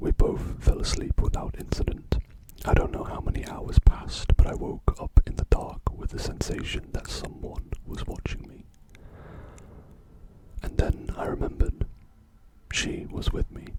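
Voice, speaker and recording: Someone whispers at an even, moderate speed, stopping often and at length, with clear background noise behind them. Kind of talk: ASMR horror story reading.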